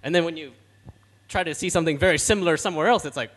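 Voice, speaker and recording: A man's voice: on the high side, racing, a bit bright. Hesitant young man discussing books. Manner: thoughtful, hesitant with fillers. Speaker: audience member at a book party. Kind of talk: casual discussion.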